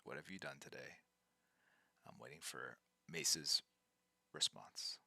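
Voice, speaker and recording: A man in his fifties hosting a livestream, chatting casually while drawing and reading out viewer names in a halting, thinking-aloud way. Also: very deep voice, vocal fry, bright, forceful tone, dry recording. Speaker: livestream host.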